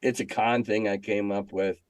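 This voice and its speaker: A man's voice: on the low side, steady tone, normal speed, dry recording. An older man telling stories casually in an interview as a veteran game master, talkative and salty with dry humor.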